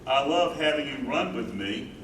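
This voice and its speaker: A man's voice: mid-range voice, animated, normal speed, over a noisy crowd, lightly acted. A man playing a tender, mournful aging husband and caretaker in a staged reading. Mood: weary, devoted. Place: live staged reading in an echoey room. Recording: roomy, distant, noisy stage recording.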